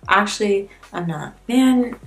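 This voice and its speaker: A woman's voice: mid-range voice, animated, slow, over music. A woman in her twenties doing a casual makeup tutorial in a small room, talking candidly with wry, rambling self-mockery. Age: 20s. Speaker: beauty vlogger. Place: small indoor room with plain wall.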